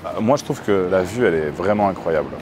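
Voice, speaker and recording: Brief: persuasive young man in his twenties, lowish voice, faint background noise. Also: animated, fast talker. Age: 20s. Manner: confident, persuasive, lecturing. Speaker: vlogger. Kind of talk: casual chat and sales pitch.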